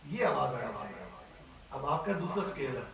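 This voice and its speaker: A man's voice: medium pitch, animated, creaky, very echoey, recorded from a distance, a crowd in the background, poor audio. A man teaching a class on Quran recitation, explaining step by step and often checking that his students follow. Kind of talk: classroom voice lesson.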